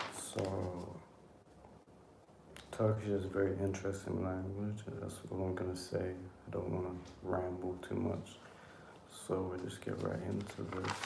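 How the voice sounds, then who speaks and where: A soft-spoken man talks at a fairly slow pace in a very deep, low pitch, with monotone, flat intonation. He takes long, frequent pauses amid noticeable background noise. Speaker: ASMR content creator, language lesson host. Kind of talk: soft-spoken ASMR language lesson. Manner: soft-spoken, quiet.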